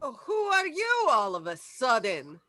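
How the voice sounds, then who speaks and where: A very high, swooping voice from a woman acting out a haughty vampire lady. She is theatrical and impatient, drawing her words out slowly in a comedy script read. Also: wildly swooping pitch, pushed and bright, no room sound, heavily acted. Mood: scornful. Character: haughty, impatient female vampire hungry for virgin blood.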